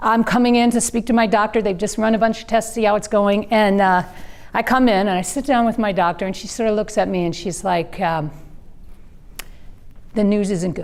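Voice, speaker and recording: A woman with an unremarkable speaking voice and a fairly high pitch talks at a fairly quick pace with fairly even intonation. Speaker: public speaker. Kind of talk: keynote talk to a live audience. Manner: conversational, reflective.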